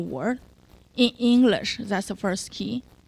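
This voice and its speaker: Fairly high in pitch, a woman speaks with ordinary pitch variation. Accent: strong Chinese. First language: Chinese. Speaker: club member. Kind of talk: impromptu speech.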